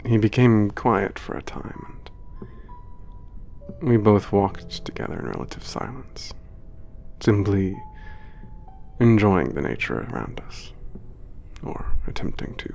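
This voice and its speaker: A man plays a gentle, melancholy giant who speaks in a low, gravelly voice. His words are formal and reflective, and he often drops to a whisper. Soft music plays faintly behind him. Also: huge pitch swings, slow pace, long pauses, heavily acted. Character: gentle, melancholy giant protector, older-sounding. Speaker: narrator of letters home. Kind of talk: ASMR audio drama narration.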